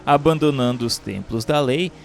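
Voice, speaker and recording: A man's voice: medium pitch, moderate pace, creaky, faint music behind. A man with a Brazilian accent narrating a religious text in a solemn, formal, declamatory manner.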